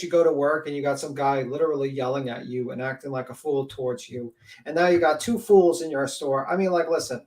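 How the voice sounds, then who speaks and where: A man with a fairly high voice talks bluntly and casually, pushing his opinions in informal, sweary language.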